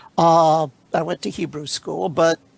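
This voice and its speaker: A man speaks with an American accent. His fairly high voice carries vocal fry. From US West Coast, Los Angeles. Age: 70s. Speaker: meditation teacher. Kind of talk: interview.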